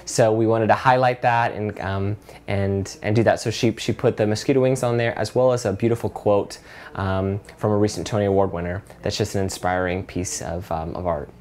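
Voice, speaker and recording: An earnest man in his thirties, speaking as a city program director. His voice sits a little low, and he talks with plenty of fillers and restarts. He is recorded close on a lapel mic. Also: fairly even intonation, moderate pace, a little mellow. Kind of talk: interview. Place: office with window blinds.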